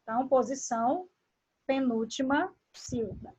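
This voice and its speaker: Woman, teacher, high voice, husky, talks slowly, asks the class questions. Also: a little mellow. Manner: slow, drawn-out word pronunciation with questions to the class. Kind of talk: classroom grammar lesson.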